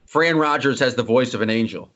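A man's voice: medium pitch, a bit bright. Guy hosting a sports podcast, jokey and teasing, kinda dull lo-fi sound. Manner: joking, quick and teasing. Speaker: podcast host. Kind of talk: casual sports podcast chat. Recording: slightly dull lo-fi audio.

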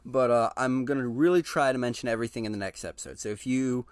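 A man talks through a casual solo podcast episode, addressing his listeners directly in an easygoing, chatty manner. He fills pauses with ums and restarts his sentences often. His mid-pitched voice is recorded dry and close, with no room echo. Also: clear, resonant tone. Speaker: podcast host.

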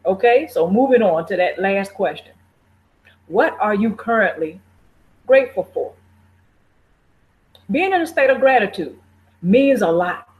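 A woman's voice: mid-range voice, expressive, measured pace, pauses often, narrow, tinny audio. A woman speaking to listeners in a conversational motivational talk, encouraging and repeating phrases, often laughing.

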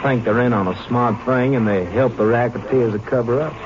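Male actor as plain-spoken newspaper editor, American, blunt, medium pitch, lo-fi 1950s western radio. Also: brisk, natural voice. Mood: indignant. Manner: blunt, emphatic. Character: indignant, plain-spoken small-town newspaper man. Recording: noisy, band-limited old radio recording.

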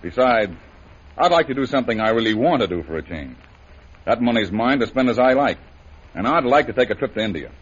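An actor playing a confident, easygoing adventurer hero in an old radio drama. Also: male voice, medium pitch, fairly quick, husky. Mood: steady. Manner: steady, easygoing, assured. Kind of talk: 1930s radio acting. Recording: dull old radio recording with faint hiss.

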